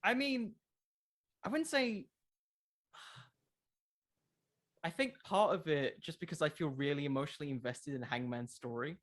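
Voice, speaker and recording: A man's voice: on the high side, measured pace, pauses often, fairly bright tone. A man who makes a podcast, answering in a casual interview, explaining his views with plenty of qualifiers. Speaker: podcast creator being interviewed.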